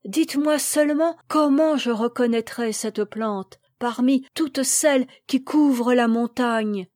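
A woman's voice: fairly high pitch, a little slow, darkish tone, no room sound, clean studio sound, close to an everyday voice. A woman voicing a seven-year-old boy who pleads and sobs to save his dying mother in a storybook. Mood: pleading. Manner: pleading, sobbing.

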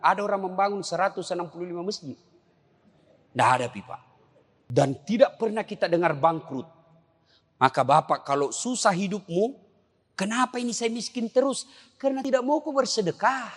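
A man preaching an Islamic sermon to a gathering, animated and joking, firing rhetorical questions and breaking into sudden shouts. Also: on the high side. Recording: long hall reverb.

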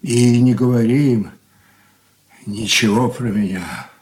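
An actor playing an aging stern merchant father in a radio drama, talking in a slow, heavy, brooding way. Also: medium pitch, a little mellow, close to an everyday voice. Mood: despairing. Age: older. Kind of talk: 1980s studio radio drama acting.

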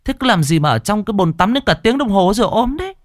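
A man's voice: big pitch swings, fast, no room sound, studio quality. A man voicing a middle-aged mother who nags her daughter through a door in a ghost story. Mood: nagging. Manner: scolding, shrill nagging.

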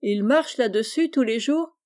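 A woman's voice: on the high side, a little slow, mellow, close to an everyday voice. A woman reading the part of a hearty, generous older male farmer in a storybook, jovial and exclaiming.

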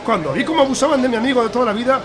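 Man playing a high, quick-talking blustering bar owner. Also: lively intonation, a crowd in the background. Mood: defensive, boastful. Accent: Spanish. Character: blustering, slightly foolish Spanish bar owner, male. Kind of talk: amateur interactive radio soap comedy.

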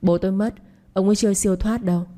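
A woman's voice: medium pitch, fairly even intonation, fast, mellow, lightly acted. A woman voicing a guilt-ridden young man who speaks curtly and reproachfully to his stepmother. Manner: curt, reproachful.

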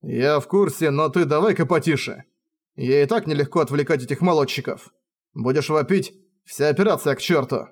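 A man's voice: fairly high pitch, normal speed. A man voicing a lazy, sardonic young man who grumbles and makes sarcastic remarks. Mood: grumbling.

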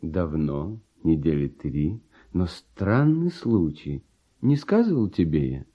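An actor playing a troubled, sincere composer in a radio verse drama, confiding uneasily as if haunted by dread. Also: male voice, low voice, big pitch swings, takes it slowly, breathy edge, full character voice. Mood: troubled, hesitant. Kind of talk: theatrical verse dialogue, classic Russian radio play. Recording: dull, muffled old radio recording.

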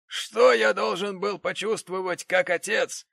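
A man's voice: high voice, fairly even intonation, a little slow, vocal fry, sharp tone, dry recording, voice pushed up, heavily acted. A man voicing a pompous, indignant rich middle-aged father who owns a foundry, in an audiobook reading.

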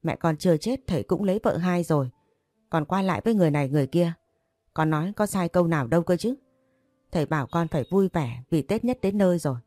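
Woman doing an hysterical grieving daughter, storybook figure, shrill accusations, low mellow tone, dry sound. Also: expressive, fast talker, no echo, lightly acted. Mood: bitter. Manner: shrill accusing rants, sobbing pleas.

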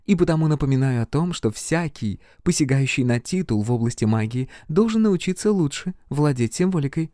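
A male reader voicing a shrewd older dowager duchess, gracious and gently commanding. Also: a little high, lively intonation, brisk, hardly any pauses, no room sound, clean studio sound, pitched above the performer's own voice, lightly acted. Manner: warm, grand, gently commanding.

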